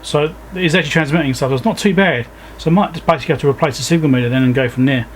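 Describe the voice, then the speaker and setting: A man giving casual, low-key commentary as he works, thinking aloud step by step like a repair video host. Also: rapid-fire, slight background noise. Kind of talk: casual hands-on commentary while working. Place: indoor repair workbench.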